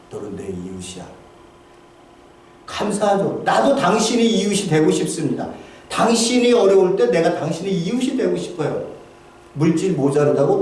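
Male pastor with a high voice, delivering a heartfelt testimony sermon full of restarts, picked up from afar in a booming, echoing church. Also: warm tone, a little hiss or hum. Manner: halting, emotional storytelling with many restarts. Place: church sanctuary. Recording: very echoey hall, voice from far off.

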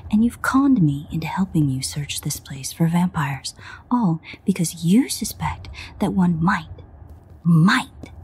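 A woman playing a sardonic, exasperated vampire in an audio roleplay, grumbling and swearing in a husky near-whisper. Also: fairly low pitch, a little mellow, exaggerated voice. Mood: exasperated, sarcastic. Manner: sarcastic, profane, grumbling. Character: sardonic, exasperated female vampire, reluctant ally. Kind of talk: audio roleplay addressed to the listener.

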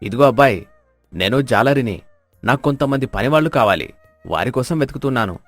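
Gruff, swooping rough village man played by a man. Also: mid-range voice, expressive, fairly quick, no room sound, faint music behind, close to an everyday voice. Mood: challenging. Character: rough, scheming village men: troublemaker and deep-voiced fisherman. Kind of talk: animated moral story dialogue.

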